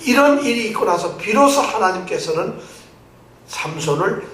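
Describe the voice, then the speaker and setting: Pastor guy preaching, high voice, keeps quizzing the crowd, far-off mic in a big echoey church. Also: normal speed. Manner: animated preaching, quizzes the congregation and repeats phrases. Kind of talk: sermon. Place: church sanctuary.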